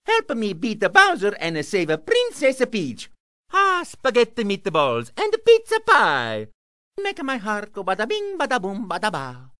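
A woman's voice: medium pitch, sharp tone, no echo, clean studio sound, exaggerated voice. A woman voicing a cheerful adult male Italian plumber hero in a video game, with an exaggerated Italian accent and a playful, exclamatory manner. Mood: cheery.

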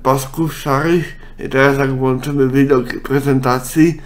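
A man, a congested nose and a speech impediment, giving a casual, halting software walkthrough. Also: mid-range voice, fairly even intonation. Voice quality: congested, blocked-nose sound; speech impediment, imperfect articulation. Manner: halting, with self-corrections. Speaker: software tutorial presenter.

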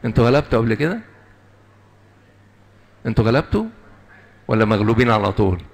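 A man's voice: mid-range voice, gravelly. Egyptian guy giving a sermon, medium voice, keeps asking the crowd stuff and answering it himself. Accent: Egyptian Arabic. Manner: asks the audience questions and answers them; repeats lists slowly and emphatically. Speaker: lay preacher. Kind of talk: sermon to young graduates.

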